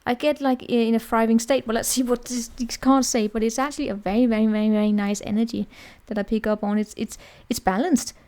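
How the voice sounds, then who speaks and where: Woman rambling thru a tarot reading, kinda high voice, keeps saying right?. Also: flat delivery, quick pace, hardly any pauses, a little mellow. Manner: chatty, rambling, often asks "right?". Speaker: tarot reader.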